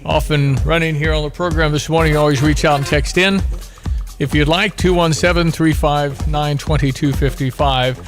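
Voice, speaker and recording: A high-voiced man hosts a morning radio show. He chats informally and throws out questions, often restarting them, with light music around the voice. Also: fairly bright tone. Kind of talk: morning talk radio chat.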